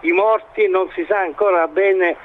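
A man giving expert current-affairs analysis in an interview, speaking in a halting, hesitant way as he builds his points. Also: high voice, fairly even intonation, phone-quality sound, a little hiss or hum. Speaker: expert commentator being interviewed.

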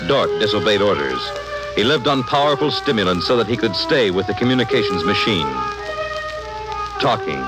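A man narrating a 1950s science fiction radio drama in a measured, dramatic way. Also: fairly low pitch, lively intonation, rough recording. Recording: old radio broadcast under music.

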